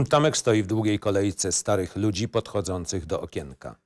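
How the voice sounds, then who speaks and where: A male narrator with a slightly low voice reads out screenplay directions. The delivery is scripted narration, describing scenes and actions between dialogue. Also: animated, moderate pace, darkish tone. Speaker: narrator reading stage directions.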